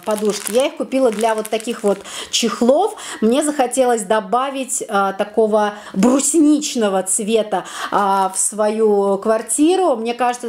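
Young woman, home vlogger, casual chat, lively, self-mocking, fairly high voice, small room, camera mic. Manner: lively, self-mocking, talks with her hands. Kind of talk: casual chatty vlog. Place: small bright room, indoors.

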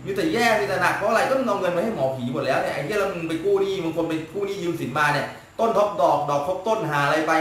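A man's voice: high voice, a bit bright. A man speaking as a spiritual teacher on a casual live stream, lecturing bluntly and crudely and often asking his listeners "right?". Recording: very echoey room with faint noise.

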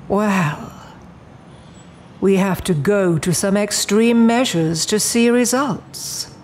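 A woman's voice: medium pitch, darkish tone, slight background noise. A woman playing a poised, menacing immortal demon in an audio drama, speaking in a genteel, coolly imperious way. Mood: cold menace.

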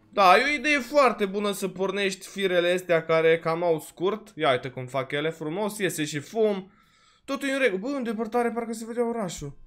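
Romanian man, high-pitched, let's-play host, chatty, quick to exclaim, voice a bit worn. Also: a bit bright. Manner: chatty, exclaims often, peppers talk with "frate" and "bă". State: voice slightly worn, coughing. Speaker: gaming video host. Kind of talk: casual let's-play commentary.

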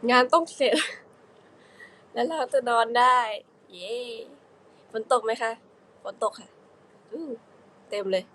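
A woman's voice: fairly high pitch, animated, slow, pauses often, a bit bright, slightly rough, low-quality recording. A young woman hosting a casual livestream, chatting playfully with fans and reading their comments. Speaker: idol livestream host.

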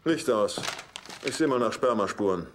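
An actor playing a matter-of-fact police investigator in a German-dubbed sitcom, deadpan and businesslike. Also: male voice, medium pitch, moderate pace, slight background noise, close to an everyday voice.

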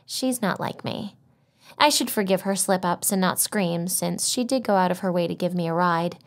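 A young adult woman reading a first-person teen novel, sassy and expressive, with whispered asides. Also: lowish voice, normal speed. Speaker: audiobook narrator.

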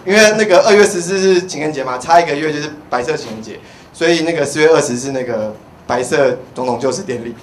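A young man with a Taiwanese accent does open-mic stand-up on a small indoor club stage, rambling, stammering, and repeating phrases in a slightly high voice at a quick pace. He uses a handheld mic, and the live room is roomy with background noise.

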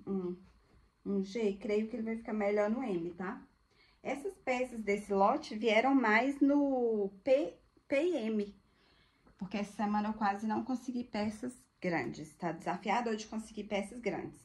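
A woman's voice: medium pitch, darkish tone. Gushing Brazilian woman showing thrift clothes. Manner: chatty, gushing, addresses viewers as girls. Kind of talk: casual live product showcase.

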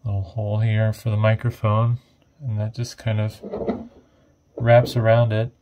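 A man giving casual, off-the-cuff narration of an electronics teardown, thinking aloud in a hesitant, low-key way. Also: monotone, a little slow, background noise. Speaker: host of an electronics teardown video.

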